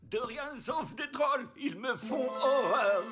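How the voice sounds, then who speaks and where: A man voicing a big horned male wrestler, boastful and loud but terrified of trolls. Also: very high-pitched, animated, slow, in a large hall, music in the background, exaggerated voice. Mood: fearful. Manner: boastful then fearful, shouting.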